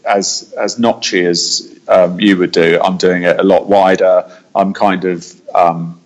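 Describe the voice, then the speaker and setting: A man's voice: sits low, flat delivery, measured pace. A man hosting a casual technical podcast, talking in a conversational, explanatory way from an echoey meeting room. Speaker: podcast host and audio engineer.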